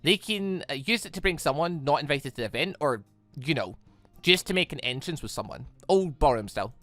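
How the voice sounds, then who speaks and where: A man voicing an earnest, patient young man in a visual novel, hesitant and gently coaxing. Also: fairly high pitch, lively intonation, a little fast, no room sound, soft background music, pitched below the performer's own voice. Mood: hesitant, explaining. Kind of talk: visual novel character reading.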